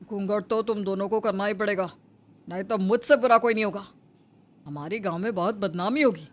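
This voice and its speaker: A woman's voice: mid-range voice, a little fast, close to an everyday voice. A woman voicing a stern, domineering older mother-in-law in a cartoon, scolding and commanding. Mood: threatening. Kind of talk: cartoon voice acting.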